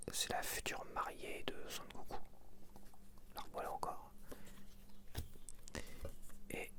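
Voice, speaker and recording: A man whispering casual ASMR commentary, murmuring informally as he thinks aloud. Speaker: ASMR video creator.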